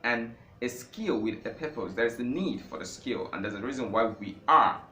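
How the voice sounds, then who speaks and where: A man's voice: medium pitch, animated, moderate pace, sharp tone. A Nigerian man, a native Igbo speaker, giving an informal talk on learning languages. He speaks emphatically, repeats phrases for stress and builds to impassioned peaks. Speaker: language teacher. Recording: echoey room with faint background noise.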